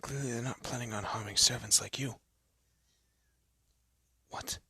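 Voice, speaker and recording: A man playing a haughty but secretly soft young elf prince in a scripted roleplay audio drama, with a pompous, formal manner and a breathy, often hushed voice. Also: medium pitch, steady tone, measured pace, full character voice. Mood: flustered, moved. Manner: pompous, formal, flustered stammering.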